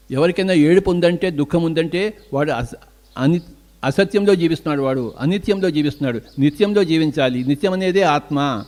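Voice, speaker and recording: A man's voice: fairly high pitch, darkish tone. A man giving a spiritual discourse, emphatic, answering his own rhetorical questions. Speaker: spiritual teacher.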